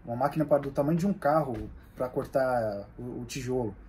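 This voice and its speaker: Mellow-voiced Brazilian man, halting. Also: mid-range voice, a little hiss or hum. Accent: Brazilian Portuguese. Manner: halting, restarts phrases. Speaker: bricklayer sharing experience. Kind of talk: casual chat.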